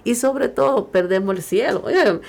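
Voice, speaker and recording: A woman's voice: a little high, normal speed, gravelly, darkish tone. A woman co-hosting a Christian radio talk show, preaching emphatically and raising her voice when she quotes scripture.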